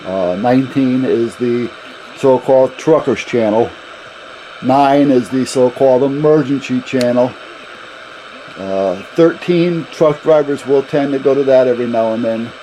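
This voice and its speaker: A man's voice: mid-range voice, unhurried, warm tone, low-quality recording. A man giving a casual hands-on demonstration in a folksy, rambling way, as a hobbyist presenter. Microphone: camera mic about a foot away. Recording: clear background noise, radio sounds.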